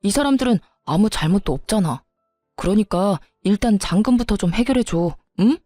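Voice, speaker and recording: A woman's voice: mid-range voice, lively intonation, moderate pace, dark tone, no echo, soft background music, natural voice. A woman voicing a desperate husband who begs and then threatens by turns, in a narrated story. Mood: pleading. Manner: begging then threatening, flip-flopping. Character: desperate pleading husband, quick-tempered, married man. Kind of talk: story narration with voiced dialogue.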